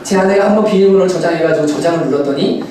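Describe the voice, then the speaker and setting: A man preaching a sermon, telling a family story with lively voices for his wife and son. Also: on the high side, rapid-fire, crowd noise. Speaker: pastor. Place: church sanctuary. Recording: echoey church hall, mic at a distance.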